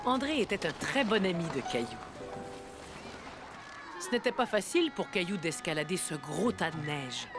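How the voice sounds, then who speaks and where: A woman reading scripted narration for a children's story in an expressive storytelling manner. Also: lowish voice, normal speed, pauses often, over music.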